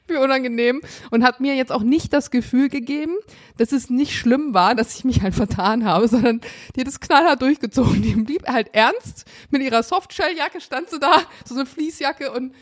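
Lively woman telling a story. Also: sits high, normal speed. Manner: lively, acts out dialogue in raised voices, laughs often. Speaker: podcast co-host. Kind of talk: casual storytelling chat. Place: hotel room.

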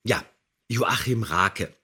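A man's voice: on the low side, animated, slow, bright, forceful tone, breathy edge. A man hosting a podcast, chatting about an audio drama in a hesitant, searching way. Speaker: podcast host.

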